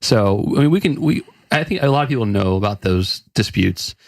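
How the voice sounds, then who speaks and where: In a casual podcast chat, a male co-host talks fairly quickly and animatedly in a fairly low voice, with no room sound. His manner is loose and profane, rambling with frequent restarts.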